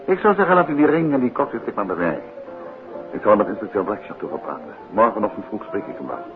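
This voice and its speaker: An actor playing a calm, courteous, secretive married detective in a 1950s Dutch radio play, with a Netherlands accent. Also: male voice, fairly low pitch, fast, over music. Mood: composed, polite. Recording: tinny, noisy 1950s radio recording.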